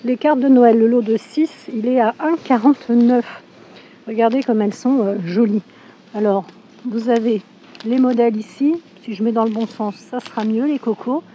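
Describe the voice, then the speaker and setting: A woman with a hoarse voice from a cold, chatting casually as she shows products in a supermarket on a handheld phone. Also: fairly high pitch, fairly even intonation, moderate pace, warm tone, lo-fi sound, a little hiss or hum. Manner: chatty, with frequent fillers. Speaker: shopping vlogger. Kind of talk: casual store walkthrough. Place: inside a supermarket.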